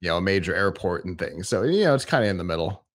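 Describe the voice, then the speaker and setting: Man, host, somewhat low voice, relaxed, conversational, restarts, studio mic. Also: fast talker. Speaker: tech show host. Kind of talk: interviewing a guest. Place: studio with a screen behind.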